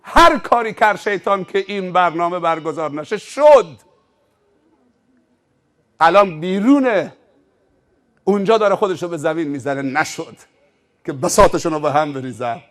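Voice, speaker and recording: A man's voice: a little high, fairly bright tone. A man preaching a sermon, telling stories emphatically and acting out the scenes. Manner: emphatic, vivid, acts out scenes. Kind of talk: sermon with dramatized storytelling.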